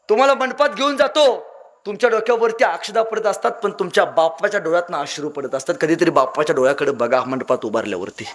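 A man's voice: very high-pitched, fairly bright tone. A young man from Maharashtra, giving a motivational speech full of acted-out stories and emotional swings. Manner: dramatic, acts out voices in anecdotes, emotional swings. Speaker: motivational speaker.

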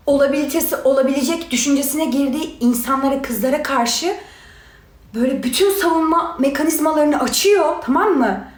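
A young woman delivering an angry, sarcastic livestream rant, scolding and addressing her viewers directly. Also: high-pitched. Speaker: reality show contestant answering critics. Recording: echoey room sound.

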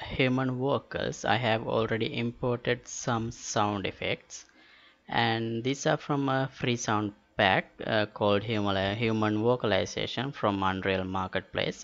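A man narrating a step-by-step software tutorial in a halting, matter-of-fact manner. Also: on the low side, steady tone, creaky. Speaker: tutorial host. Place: indoors, screen-recording voice-over. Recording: dull lo-fi voice-over with clicks.

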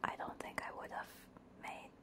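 A woman whispering breathily and casually into a close binaural microphone, chatting haltingly on an ASMR livestream. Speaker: VTuber streamer.

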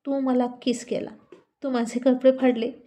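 A woman's voice: high voice, level tone, normal speed, warm tone, natural voice. A woman voicing a manipulative young college woman in a spoken story. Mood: scheming.

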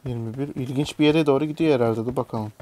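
A man's voice: mid-range voice, quick pace, warm tone. A young man gives casual commentary while playing a mobile game, muttering to himself and swearing or yelping when a jump fails. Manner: muttering, swears and yelps at failed jumps. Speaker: gaming YouTuber.

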